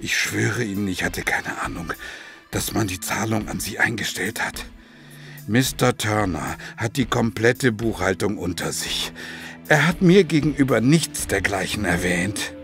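A man's voice: lowish voice, animated, measured pace, vocal fry, a bit bright, faint music behind, exaggerated voice. Uneasy, earnest family father. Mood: frightened, pleading. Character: anxious company boss, husband and father. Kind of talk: German audio drama acting.

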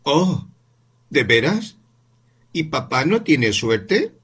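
A man voicing an eager, questioning young boy in an audiobook reading, pitching high with rising questions. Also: very animated, extremely slow, fairly bright tone, breathy edge, heavily acted. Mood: insistent. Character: curious insistent young boy.

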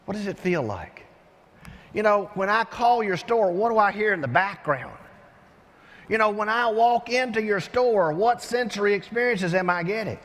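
An older man giving an energetic keynote speech on a large conference stage, telling stories with lively gestures through a headset mic. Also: high voice, moderate pace. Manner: animated storyteller with lively gestures. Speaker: keynote speaker. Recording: long hall reverb from arena.

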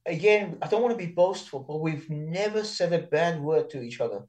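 A man in his sixties, born in Iran and speaking Persian and Armenian as first languages, talking earnestly and haltingly, often restarting, as an interview guest. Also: a little high, expressive, darkish tone. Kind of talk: casual interview.

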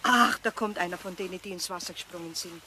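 An actor playing a baffled, indignant bystander in a children's audio play. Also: male voice, high voice, quick pace, pushed and bright. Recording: faintly noisy old cassette recording.

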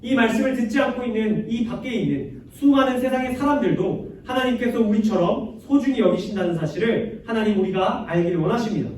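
A young male youth pastor gives a playful, chatty sermon full of jokes. His voice is very high for a man. The sound is heavily echoey, caught from a distance with faint noise in the background. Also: animated, fairly quick, few pauses, darkish tone. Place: church sanctuary.

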